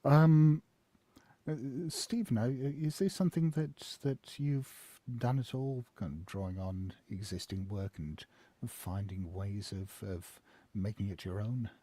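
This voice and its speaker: A man's voice: fairly low pitch, unhurried, warm tone, no echo. A man moderating a convention panel, brief and encouraging as he hands over to guests.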